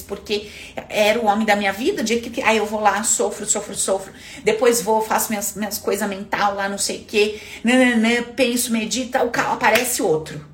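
A woman hosting a casual self-help live talk, animated and acting out inner voices, swearing casually. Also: on the high side.

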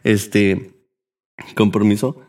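A man with a Mexican Spanish accent, speaking a bit low. He talks in a loose, rambling monologue full of fillers and swearing, as a podcast host. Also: level tone, extremely slow, a little mellow. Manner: profane, rambling, heavy use of fillers. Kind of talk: casual monologue.

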